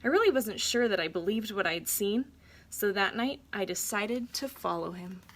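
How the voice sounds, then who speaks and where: A woman reading a children's story aloud like a teacher, with deliberate, dramatic phrasing for young listeners. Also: mid-range voice, lively intonation, very noisy.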